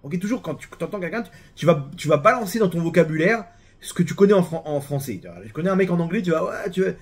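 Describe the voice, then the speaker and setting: A man with a French accent giving a casual religious talk, animated and full of restarts and repeated words. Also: high-pitched, fast talker, husky.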